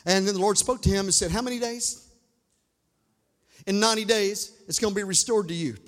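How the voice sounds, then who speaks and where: High-voiced male pastor, fervent sung-and-shouted sermon style, long reverb of a church. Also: fairly even intonation, fast. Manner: calls on the congregation for responses. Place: church sanctuary.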